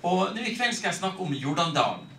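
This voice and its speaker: A man's voice: sits high, sing-song, quick pace, pushed and bright, distant mic. A man in his fifties from Norway, interpreting a talk phrase by phrase in short segments. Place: medium meeting hall, indoors. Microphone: handheld mic, picked up by distant camera. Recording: echoey room from off, faint noise.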